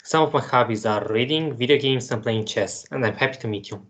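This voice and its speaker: Male, 20s, from Moldova, mid-pitched presenter, reads a prepared talk, muffled sound. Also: a little fast, fairly bright tone. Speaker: student presenter. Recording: dull lo-fi sound.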